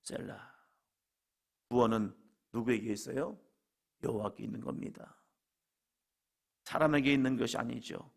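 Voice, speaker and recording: A middle-aged man preaching a sermon as pastor, reading scripture slowly and building to emphatic calls. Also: medium pitch, gravelly.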